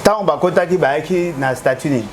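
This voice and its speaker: Speaking a little fast in a voice on the high side, with slight hiss or hum on the recording, this political commentator argues and lectures in a heated debate. He mixes French and Lingala and insists nobody can contradict him.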